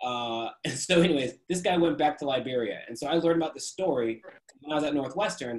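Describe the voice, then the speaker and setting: With an American accent, a man speaks at a fairly quick pace with lively intonation. The background is quiet. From US South. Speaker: journalist and philosopher; podcast guest. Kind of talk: casual interview. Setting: video call. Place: home room.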